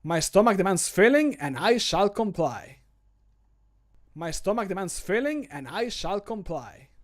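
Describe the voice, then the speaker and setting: Man acting a flamboyant game glutton, pitched a little high, theatrical and self-satisfied, stretching out phrase endings. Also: very animated. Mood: grandly hungry. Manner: flamboyant, declamatory, drawn-out endings. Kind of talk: video game voice-line recording.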